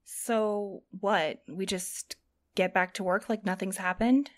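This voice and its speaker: A woman's voice: mid-range voice, steady tone, slow pace, close to an everyday voice. A woman playing an anxious, determined, exhausted courier in an audio drama, earnest and strained. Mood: troubled, disbelieving. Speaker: actor in a fiction podcast. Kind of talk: naturalistic audio drama acting.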